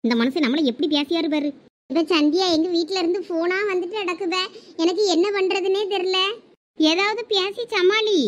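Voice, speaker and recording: A woman's voice: extremely high pitch, normal speed. A woman voicing bickering young village wives in a comic cartoon family drama, with a Thoothukudi Tamil accent and a quarrelsome, complaining manner. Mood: worried. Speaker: cartoon voice actor.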